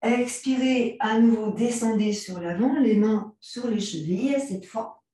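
A woman guiding a yoga class, giving calm, unhurried cues timed to the breath. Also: fairly high pitch. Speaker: yoga teacher. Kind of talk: guided yoga class instruction. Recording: very echoey room, mic far off.

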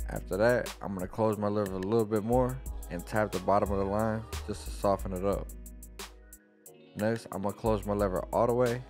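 Laid-back young barber, low voice. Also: male voice, steady tone, a little fast, a little mellow. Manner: laid-back, plain instructional talk. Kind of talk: tutorial voice-over. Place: small dim room at home. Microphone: studio microphone on boom arm. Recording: faint guitar music underneath. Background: faint guitar music.

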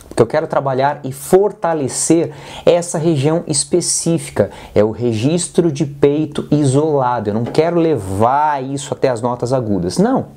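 Lively Brazilian singing coach. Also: male voice, mid-range voice. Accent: Brazilian Portuguese. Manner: lively, direct, playful coaching, demonstrates sounds. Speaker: singing teacher. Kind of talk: vocal lesson with exercises.

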